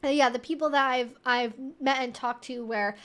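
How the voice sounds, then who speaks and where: High-pitched woman chatting candidly. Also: fairly even intonation, normal speed, a bit bright. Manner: candid, conversational, explanatory, hedging with frequent asides. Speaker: livestream host, educator. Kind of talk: casual livestream Q&A.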